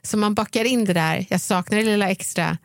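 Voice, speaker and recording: A woman's voice: medium pitch, gravelly, dry recording, studio quality. A woman co-hosting a casual podcast, giving dating advice and acting out example lines. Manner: gives advice, role-plays example lines. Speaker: podcast co-host.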